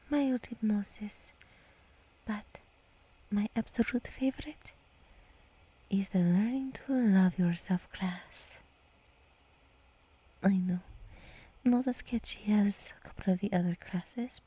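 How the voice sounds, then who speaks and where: A woman performs a gentle deer woman in an ASMR roleplay, whispering slowly and softly. Her voice is breathy and mellow, with a reassuring, soothing manner, recorded close and very dry. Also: mid-range voice. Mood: soothing, welcoming. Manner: slow, soft, breathy, reassuring. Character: gentle, soothing young deer woman, resort meditation guide. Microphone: close microphone, dry.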